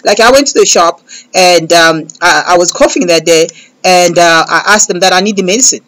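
A man's voice: high voice, brisk, a bit bright. Rambling comedian man on studio mic. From Malawi and South Africa. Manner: rambling, repeats filler words while telling comic stories. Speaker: comedian guest. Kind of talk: radio interview. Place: radio studio, indoors. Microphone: large studio mic close above.

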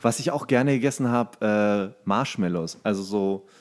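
A man's voice: lowish voice, moderate pace. Crude, jokey man chatting casually. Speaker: podcast co-host. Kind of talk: casual comedic chat.

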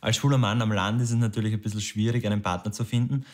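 A thirty-year-old man, talking in a relaxed, plain way in an interview at home. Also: lowish voice, fast. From Lower Austria. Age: 30s. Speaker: dating show candidate. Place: home kitchen.

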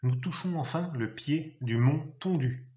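A man reading a novel aloud, telling it expressively and acting out a gruff father's shouted lines. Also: fairly high pitch, measured pace. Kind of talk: literary reading.

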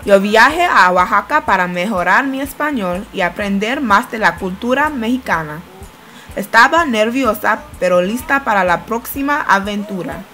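Young woman, careful learner's narration, mid-pitched voice, faint music underneath. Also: lively intonation, normal speed, sharp tone. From United States. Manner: plain, careful learner's delivery. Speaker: student narrating a study-abroad video. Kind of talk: read-aloud voice-over narration.

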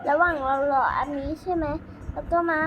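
A woman's voice: high-pitched, steady tone, brisk. A young girl with a playful, chattering manner, role-playing a children's story as the host of a channel. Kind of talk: improvised children's game role-play narration. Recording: music behind the voice. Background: background music.

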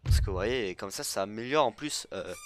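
Un homme qui commente sa partie de jeu de stratégie sur un ton décontracté, en hésitant beaucoup avec des « euh ». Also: male voice, lowish voice, lively intonation, normal speed. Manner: hesitant, full of euh fillers. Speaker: gaming YouTuber. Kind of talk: casual let's play commentary.

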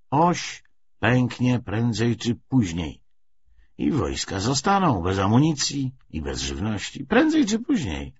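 A man's voice: mid-range voice, slightly rough, heavily acted. A man voicing a cynical, talkative male army propagandist in an audiobook, bantering and opinionated. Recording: dull lo-fi recording.

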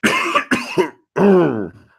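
A man, hoarse from a cold, casually commenting on a live stream and answering viewer chat, often checking in with "tá?". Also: on the high side, sing-song, drawn-out words, a bit bright, dry recording, studio quality. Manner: casual, keeps adding "tá?" for confirmation. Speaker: livestream host.

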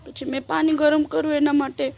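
A grieving middle-aged mother, quietly and tearfully retelling the last morning with her daughter. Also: sits high, flat delivery, fairly quick, creaky. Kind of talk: interview recollection.

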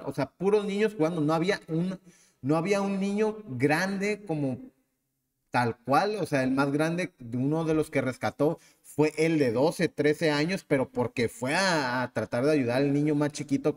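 Animated Mexican man telling a story. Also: fairly high pitch, big-room sound. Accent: Mexican Spanish. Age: 30s. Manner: animated, acts out the people in his story. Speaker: podcast host. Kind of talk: casual storytelling.

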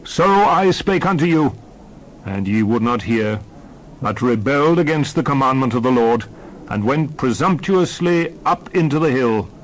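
A man's voice: medium pitch, animated, measured pace, a little hiss or hum, lightly acted, poor audio. A man playing a solemn prophet addressing his people, grave and oratorical, in a dramatized scripture reading. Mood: solemn, admonishing.

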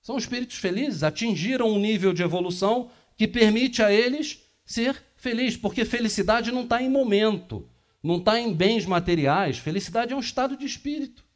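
A man in his fifties with a fairly high voice gives a talk at a spiritist center. He speaks conversationally, asking the audience questions as he moves and gestures. The camera picks him up from across a small meeting room. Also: a little fast.

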